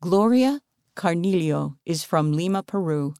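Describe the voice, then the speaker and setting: A woman reading a magazine article aloud as scripted narration, earnest and measured. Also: lowish voice, animated, warm tone, clear, resonant tone, no room sound, studio quality.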